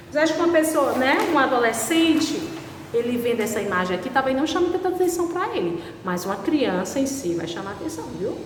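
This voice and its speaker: A woman teaching a language lesson, stretching out examples slowly and checking with "right?" after nearly every point. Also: high-pitched. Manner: slow, drawn-out spelling of examples, constant "certo?" checks. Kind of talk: recorded online class. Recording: distant echoey room recording, faint background noise.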